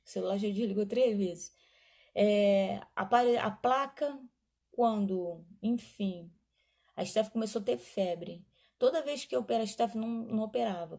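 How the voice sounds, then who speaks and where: A woman pastor shares an emotional testimony during a sermon, speaking directly to the congregation and calling them brothers. Her medium-pitched voice is creaky and mellow as she tells her story.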